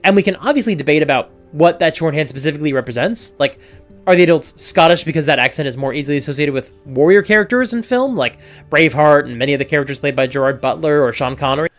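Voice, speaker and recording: Over faint background music, a video essayist delivers an articulate explanatory commentary, building his argument with small asides. His voice sits a little high and sounds animated, and he talks quickly.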